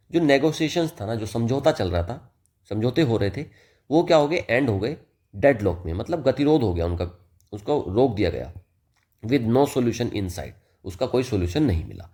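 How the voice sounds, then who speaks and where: A man teaching English vocabulary in a loose, conversational manner. He reads the example sentences slowly and deliberately, then explains them casually, now and then calling the listener "brother". His pitch sits in the middle range for a man. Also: darkish tone. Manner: mixes Hindi and English, addresses listener as "bhai". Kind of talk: explanatory lesson.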